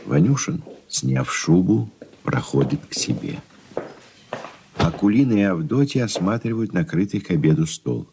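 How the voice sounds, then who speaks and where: A man narrating stage directions in a measured, formal way for a radio drama. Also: deep voice, sing-song, creaky, dark tone. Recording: old radio recording with hiss.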